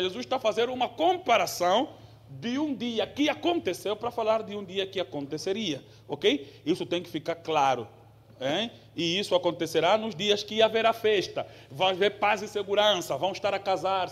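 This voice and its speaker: High, bright-voiced pastor. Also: male voice. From Angola. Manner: conversational teaching that builds to forceful preaching, with rhetorical questions. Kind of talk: Bible teaching sermon.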